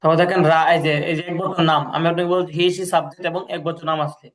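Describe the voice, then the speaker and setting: A man teaching English grammar speaks flatly in a voice on the high side. Patiently repeating drills, he reads each sentence slowly, translates it, and checks whether his student understands.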